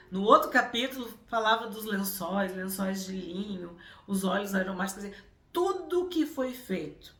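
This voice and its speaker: A woman's voice: mid-range voice, fairly bright tone, reverberant. A woman giving a Bible reflection, speaking with emphasis and repeating phrases for effect. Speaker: Bible teacher.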